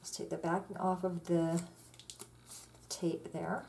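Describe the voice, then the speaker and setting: A woman's voice: lowish voice, slow, gravelly, a little hiss or hum. A woman hosting a card-making tutorial, chatting casually as she walks through each step. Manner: chatty, relaxed, step-by-step instructions with fillers. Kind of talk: casual crafting demonstration. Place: indoors at a craft table. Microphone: overhead camera on the tabletop, hands only.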